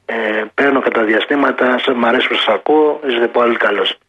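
A man's voice: medium pitch, slightly rough. A man calling a sports radio show, ranting heatedly and repeating his points. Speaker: caller. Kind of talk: casual call-in chat. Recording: muffled phone line.

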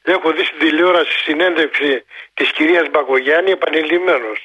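List: older man, radio caller, high bright voice, suspicious and questioning, dull phone line. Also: breathy edge. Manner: questioning, suspicious, repeats his points. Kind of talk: call-in radio talk. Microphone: telephone line.

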